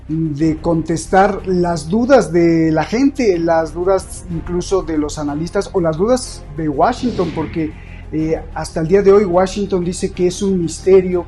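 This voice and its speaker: A man's voice: sits high, mellow. A male host opening a news analysis show who throws a long string of questions at his guest. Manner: asks a long run of rhetorical questions.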